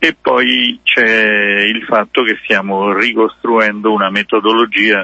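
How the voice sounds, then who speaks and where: Fairly low in pitch with fairly even intonation, a man speaks in a plain, everyday voice. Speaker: university professor. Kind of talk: radio interview. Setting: remote call while on the move. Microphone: unstable connection.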